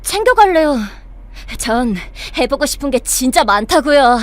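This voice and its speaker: A woman playing a naive, eager and sheltered young survivor in an audio drama, with an expressive, wide-eyed delivery. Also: high-pitched, normal speed. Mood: eager, hopeful. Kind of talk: Korean audio drama acting.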